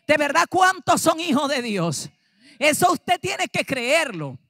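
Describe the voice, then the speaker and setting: A woman pastor with a Dominican Spanish accent preaching an animated sermon, acting out dialogue and rising to shouts. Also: sits high, takes it slowly, no room sound, studio quality. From Dominican Republic.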